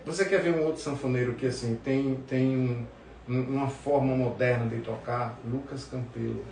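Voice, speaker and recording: A man from the forró scene speaks in a casual, anecdotal way with a northeastern Brazilian accent. His voice has a strong creaky grain. The sound is roomy, with faint noise behind him. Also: medium pitch, steady tone, moderate pace, darkish tone. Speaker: podcast guest, forró musician. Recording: roomy, distant mic, faint background noise.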